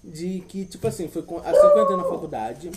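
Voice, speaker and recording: A man's voice: high voice, huge pitch swings, fairly quick, heavy background noise. A young man chatting casually with friends, telling stories and laughing often. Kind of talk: casual chat among friends.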